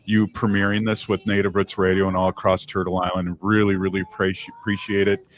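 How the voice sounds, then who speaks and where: A man's voice: low voice, little pitch movement, fast talker. A man hosting a radio talk show in an easygoing way, speaking into a close studio mic. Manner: easygoing, warm thanks, brief affirmations. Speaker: radio host.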